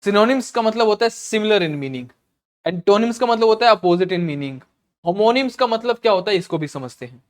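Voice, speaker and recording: Hindi-English exam teacher, clears throat often. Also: male voice, high-pitched, expressive. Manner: explains slowly, repeats words, frequent "theek hai" and "okay" checks. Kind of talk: vocabulary lesson in Hindi-English mix.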